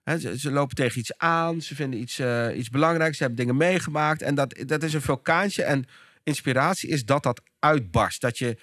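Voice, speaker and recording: A man with a Dutch accent, a podcast guest explaining his ideas with frequent restarts and searching pauses. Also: mid-range voice, a bit bright, no room sound, clean studio sound. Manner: thoughtful, searching for words with many restarts. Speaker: podcast guest, behavioral scientist and speaker. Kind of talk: casual podcast conversation.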